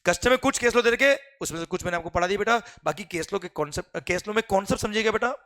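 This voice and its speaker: Bright, lively Indian male lecturer. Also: high voice. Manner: addresses students as beta, keeps asking "clear?"; reads English questions out slowly. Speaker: teacher.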